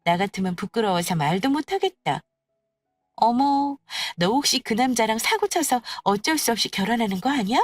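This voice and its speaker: A woman voicing a snobbish, sneering young woman in an audio story, talking in a condescending, mocking, drawn-out way. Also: on the high side, lively intonation, dry recording, soft background music. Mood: mocking, disdainful. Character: snobbish, sneering young woman who belittles her friends. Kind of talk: acted dialogue in an audio story.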